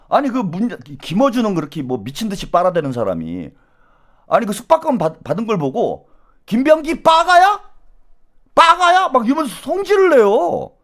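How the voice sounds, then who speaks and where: A man hosting a live political stream, ranting angrily with coarse words and rhetorical questions, dropping to a low mutter and then rising to loud outbursts. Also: huge pitch swings, normal speed. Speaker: political YouTube host.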